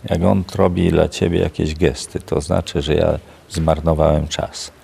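An older man, a prison chaplain, telling stories in an unhurried, reflective way in a gravelly, husky voice. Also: extremely low pitch, flat delivery, mellow. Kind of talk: storytelling in a radio interview.

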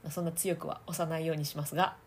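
A woman's voice: low-pitched, little pitch movement, very fast, a little mellow, a little hiss or hum. A woman, a voice trainer hosting a chatty podcast, laughing often and trying out voice placements as she explains them. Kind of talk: casual audio podcast talk.

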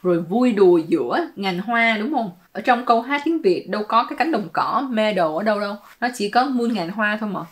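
Chatty woman explaining. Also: mid-range voice. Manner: chatty and playful, dropping English words into explanations. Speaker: YouTuber translating song lyrics. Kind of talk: casual explanatory commentary.

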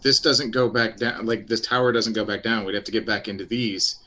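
A man's voice: on the low side, flat delivery, fairly quick, sharp tone. A man playing a tabletop game, casual and swearing freely between laughs. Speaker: player.

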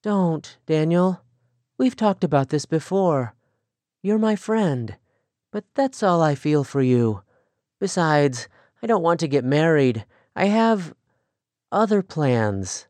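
A man's voice: a little high, big pitch swings, slow, a little mellow, dry recording, pitched above the performer's own voice. A male audiobook narrator voicing a spirited, restless young Amish woman who talks in an earnest, pleading way. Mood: firm.

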